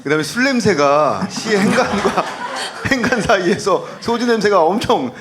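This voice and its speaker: A man hosting a literary radio show, talking thoughtfully with frequent hesitant pauses. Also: high voice, lively intonation, background noise. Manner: thoughtful, many "ah" fillers. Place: public radio broadcast stage.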